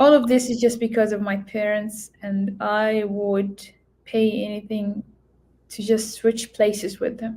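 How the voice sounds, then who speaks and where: A woman's somewhat breathy, fairly high voice, monotone and flat in intonation, at a fairly slow pace. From Gaza, Palestine. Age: 20s. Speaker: war survivor. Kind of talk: interview testimony. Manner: halting, self-correcting.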